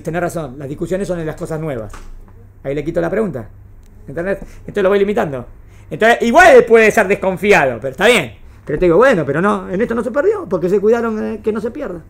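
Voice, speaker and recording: Lecturing to a classroom in religious studies, this teacher speaks with a Rioplatense Spanish accent and frequently checks that her students follow. She has a lowish voice with lively intonation and a quick pace.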